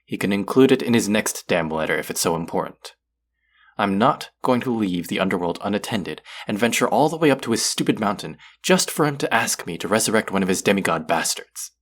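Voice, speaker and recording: An actor playing a stern, haughty god of the underworld in an audio roleplay, speaking formally with an exasperated, grudging manner. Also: male voice, on the low side, animated, a little fast. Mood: exasperated, ranting. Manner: imperious, exasperated, formal speech with sighs. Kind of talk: scripted character audio roleplay.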